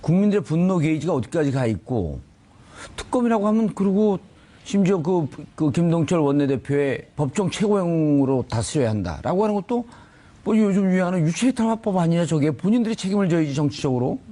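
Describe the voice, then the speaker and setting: Animated, mellow male talk show host. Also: a little high, a little fast. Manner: colloquial, opinionated, interjecting. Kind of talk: conversational current affairs hosting.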